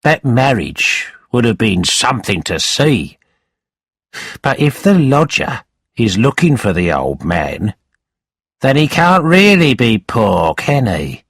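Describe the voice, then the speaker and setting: A man's voice: medium pitch, sing-song, takes it slowly, a bit bright, husky, no room sound, studio quality, exaggerated voice. A man reading a storybook aloud, voicing a cunning, spiteful male schemer who talks in a sly, mocking, commanding way.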